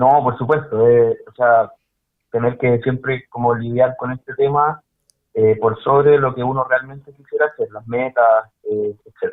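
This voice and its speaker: His words come out rather slowly. The man's intonation is flat, with a monotone sound. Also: medium pitch for a man. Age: 30s. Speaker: schoolteacher calling in about debt. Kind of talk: call-in conversation about personal finances. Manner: halting, many fillers.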